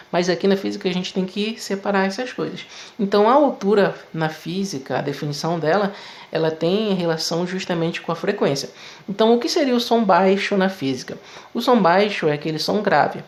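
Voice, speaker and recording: In a video lesson, a man with a high-sitting voice teaches physics, explaining things step by step. He keeps it conversational and often uses tag questions.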